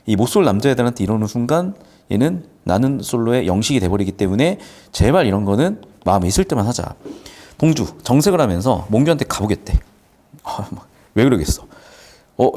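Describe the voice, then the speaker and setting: Male tutor, lively swooping delivery, playful classroom lecturer. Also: medium pitch. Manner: lively, jokey, acts out characters' lines. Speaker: Korean literature tutor. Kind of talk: classroom lecture explaining a screenplay.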